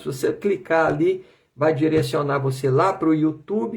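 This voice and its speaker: A man's somewhat breathy voice at a fairly slow pace with ordinary pitch variation. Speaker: lay preacher reading the Bible. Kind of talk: Bible reading with prayer and closing remarks. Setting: recorded live video on Facebook.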